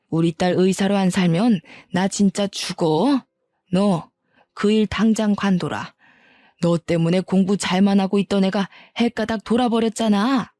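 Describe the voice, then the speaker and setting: A woman's voice: mid-range voice, dark tone, no room sound, natural voice. A woman voicing a furious, domineering older mother-in-law who scolds with harsh insults.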